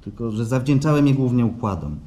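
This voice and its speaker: An actor playing an anxious office worker in a live radio play, halting and apologetic, often repeating himself. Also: male voice, medium pitch, lively intonation, warm tone, lightly acted. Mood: apologetic, resigned. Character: anxious, hesitant male office worker turned patient. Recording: live stage recording with background noise.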